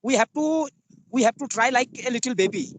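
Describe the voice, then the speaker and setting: Fast-talking Bengali-accented man, high voice. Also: no room sound. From West Bengal, India. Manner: hesitant, many fillers, simple broken grammar. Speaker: soldier, English learner guest. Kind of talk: casual interview, learner English.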